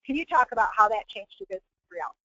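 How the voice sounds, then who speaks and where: A woman's voice: fairly high pitch, expressive, rapid-fire, a bit bright, dry recording. A woman hosting a webinar as a business coach, explaining and rephrasing her points as she goes. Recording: dull, lo-fi webinar audio.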